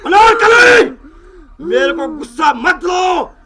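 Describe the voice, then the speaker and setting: An actor playing a pompous exorcist who thunders threats at an evil spirit in a blustering, theatrical way. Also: male voice, very high voice, expressive, slow pace, raised voice, heavy background noise, full character voice.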